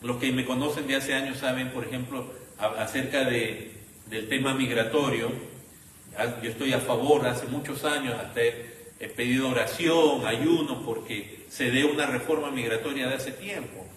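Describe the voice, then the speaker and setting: A man's voice: mid-range voice, fairly even intonation, normal speed, fairly bright tone. A man preaching a sermon in an earnest, pleading way, often calling his listeners brothers. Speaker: pastor. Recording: echoey room, voice from some distance, faint hiss.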